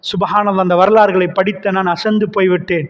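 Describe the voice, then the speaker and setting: A man preaching an impassioned sermon, telling stories with rising fervor that builds to loud cries. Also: high-pitched, little pitch movement, fairly quick. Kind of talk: Islamic sermon. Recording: reverberant hall sound, muffled lo-fi.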